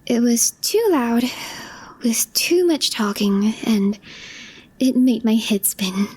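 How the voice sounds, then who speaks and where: A woman playing a calm, reserved young girlfriend, shyly smitten, in a soft, breathy, hesitant ASMR roleplay voice that often drops to a whisper. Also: fairly high pitch, exaggerated voice, rough recording. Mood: quietly fond. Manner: hesitant, understated, slow with long pauses.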